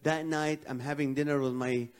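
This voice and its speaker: A middle-aged man doing stand-up comedy, telling self-mocking stories in an animated way. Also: on the high side, moderate pace.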